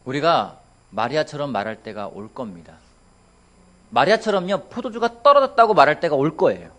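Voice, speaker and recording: Lively Korean pastor preaching. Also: male voice, on the high side, a little fast. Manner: lively, asks the congregation questions, playful voices for quotes. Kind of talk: sermon. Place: church sanctuary.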